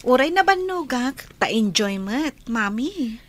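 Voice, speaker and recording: A woman's voice: high-pitched, big pitch swings, slow pace, full character voice. A young woman with an Ilocano accent, playing an anxious, earnest girl who cooks for her friends, in a radio drama.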